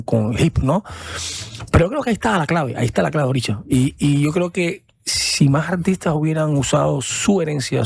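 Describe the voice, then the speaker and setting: A Cuban man, a musician guest, talking casually in an interview, halting and repeating words as he searches for them. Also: a little high, vocal fry, a little mellow, slightly rough. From Cuba.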